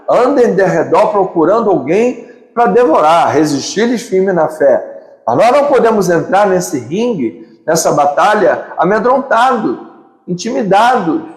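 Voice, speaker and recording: Man, Brazilian accent, pastor, emphatic sermon, repeated phrases, high voice, long church reverb. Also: darkish tone. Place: church sanctuary. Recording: echoey hall with long reverb.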